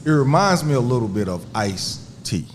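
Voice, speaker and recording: Playful, excitable male interview host. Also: medium pitch, moderate pace, slight background noise. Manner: playful, excitable, laughs often. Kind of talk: casual interview.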